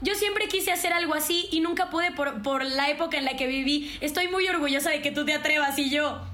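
In a raised, projected voice, a woman speaks at a high pitch and moderate pace with ordinary pitch variation and very even loudness, with audible room echo. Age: 20s. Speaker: content creator. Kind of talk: casual chat.

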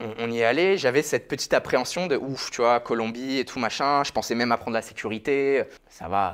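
On a very clean recording with a silent background, a man speaks at a medium pitch with an unremarkable speaking voice. His pace is fairly quick, with ordinary pitch variation. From England and France, born in London. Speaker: forex trader. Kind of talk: casual interview.

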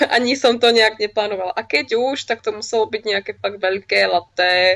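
An ordinary speaking voice from a woman, medium in tempo, with normal pitch movement. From eastern Slovakia (Humenné). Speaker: barista, national barista champion. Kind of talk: interview.

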